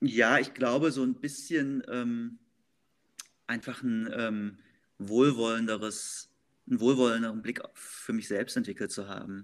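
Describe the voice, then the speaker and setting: A man with a medium pitch speaks at a very slow pace, leaving long, frequent pauses, his intonation fairly even. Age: 30s. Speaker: psychotherapist. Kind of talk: casual interview.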